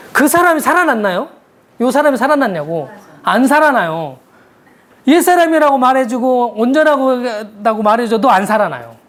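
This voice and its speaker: A woman preaching a sermon in a conversational, storytelling way, posing rhetorical questions to her listeners. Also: a little high.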